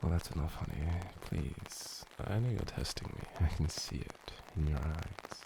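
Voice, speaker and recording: Man playing a nerdy, very low, creaky tutor boyfriend. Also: lively intonation, a little slow, background noise, full character voice. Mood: teasing, strained. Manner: nerdy, awkward, stammering explanations. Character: flustered nerdy young male tutor, smitten, losing composure. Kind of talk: whispered role-play, boyfriend ASMR acting.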